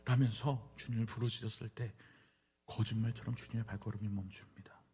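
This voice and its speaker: A man preaching a Wednesday sermon as pastor, acting out scenes with dramatic swings between hushed whispers and loud cries. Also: fairly low pitch, fairly even intonation, brisk.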